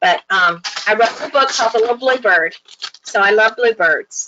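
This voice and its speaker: This woman talks at a moderate pace. Her pitch sits fairly high. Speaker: retired art teacher. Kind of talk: tutorial. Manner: animated.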